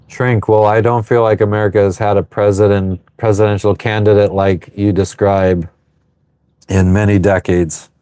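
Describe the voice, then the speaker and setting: A man's voice: fairly low pitch, little pitch movement, moderate pace, warm tone, clear, resonant tone, no echo. A man in his thirties hosting a casual livestream from an anchored sailboat, answering viewer comments offhandedly and swearing freely. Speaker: livestream host. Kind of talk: casual live chat reading viewer comments.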